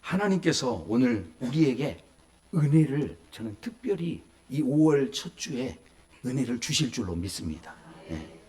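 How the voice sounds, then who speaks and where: A man's voice: medium pitch, unhurried. A man in his forties preaching a sermon as pastor, telling stories, acting out small voices and asking the congregation questions. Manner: lively storytelling, acts out children and adults in little voices.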